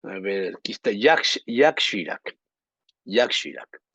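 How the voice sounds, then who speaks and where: Husky Mexican man telling rambling stories. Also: lowish voice, expressive, unhurried, sharp tone, no echo. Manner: rambling anecdotes, searching for words, laughing. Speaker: journalist co-host. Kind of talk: casual talk show chat.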